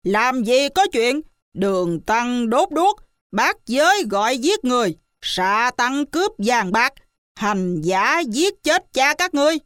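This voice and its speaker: Woman doing a fierce monkey pilgrim, loud, scolding, raised pitch, dry sound. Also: sing-song, slow pace, no room sound, full character voice. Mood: angry scolding.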